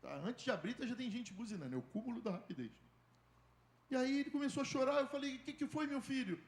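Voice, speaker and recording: A male pastor preaching a sermon, telling a story and acting out the dialogue, swinging from loud calls to hushed tones. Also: extremely high pitch, lively intonation, fast, echoey room. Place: church.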